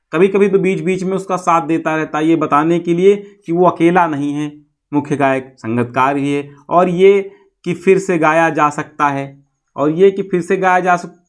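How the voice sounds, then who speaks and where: A man's voice: high voice, fairly bright tone. A man teaching in an explanatory classroom style, reading out phrases, then repeating and rephrasing them didactically. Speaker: Hindi teacher. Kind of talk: explanatory classroom lesson, reading and paraphrasing a poem.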